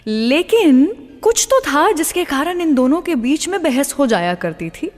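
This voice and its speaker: A woman's voice: sits high, big pitch swings, a little slow, a little mellow, in a large hall. A woman with an Indian accent hosting a music radio show in a conversational storytelling style, mixing in English phrases.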